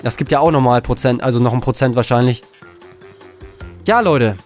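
A man giving live gameplay commentary as a let's play host, frustrated, swearing and talking himself calm, indoors at a desk. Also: mid-range voice, moderate pace, faint music behind.

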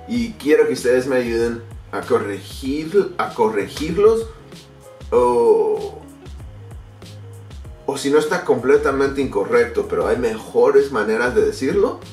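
A man's voice: medium pitch, distant mic. A man in his thirties vlogging casually to camera at home, speaking a second language he learned later, searching for words and restarting often. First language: English. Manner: animated, gestures a lot, searches for words and restarts. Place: bedroom or home office, indoors. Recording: echoey room, a bit off-mic, faint music.

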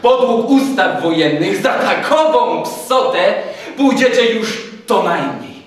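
A blustering, bullying army major, played by a man in a stage recitation of epic verse. He shouts, jeers and laughs in a high, wildly swinging voice. It is heard from far back in a hall full of echo. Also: very animated, takes it slowly, exaggerated voice. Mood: menacing. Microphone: far room mic.

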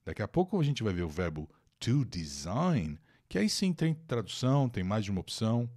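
A man's voice: fairly low pitch, sing-song, normal speed, darkish tone. A man from Brazil hosting a live-streamed English lesson, reading an article aloud, translating it and greeting viewers by name. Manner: chatty, greets viewers by name, explains words and pronunciations. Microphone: new microphone.

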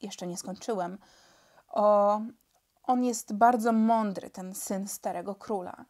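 A woman's voice: medium pitch, steady tone, slow, close to an everyday voice. A woman reading a storybook, voicing a courteous, mild-mannered male spy chief. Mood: explaining. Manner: mild, courteous, gentle-spoken. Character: elegant polite male spy chief, calm.

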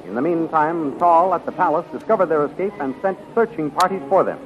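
High-pitched dramatic male radio announcer. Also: fairly quick, a little hiss or hum. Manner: dramatic, declamatory. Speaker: announcer and narrator. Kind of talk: 1930s radio serial announcing, scripted narration. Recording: muffled 1930s radio recording.

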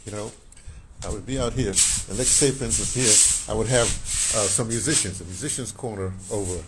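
An older man's voice, on the low side and at a moderate pace, carries this casual vlog about audio drama, shot on a phone held at arm's length. He rambles, repeats words and gestures while showing his small home and then a sunny patio outdoors, with clear background noise.

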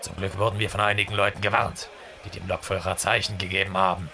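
Actor as a deep, gravelly male traveller. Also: little pitch movement, quick pace, sharp tone, heavily acted. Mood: matter-of-fact. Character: friendly adult male fellow train traveller. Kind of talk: audio drama acting.

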